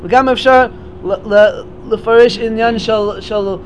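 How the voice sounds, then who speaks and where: A man's voice: sits high, a little hiss or hum. A man giving a Torah lecture at a memorial gathering, explaining step by step and often restarting his words.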